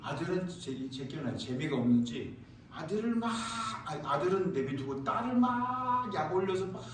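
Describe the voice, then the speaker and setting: A man preaching a sermon as pastor, telling lively stories and asking the congregation questions. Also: fairly high pitch, moderate pace, a little hiss or hum. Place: church sanctuary. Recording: echoey church hall, mic far off.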